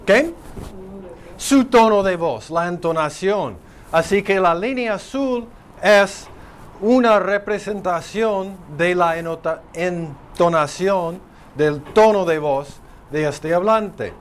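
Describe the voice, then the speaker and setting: A man teaching a phonetics class, explaining slowly and thinking aloud with fillers. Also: high-pitched. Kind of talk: spoken lecture.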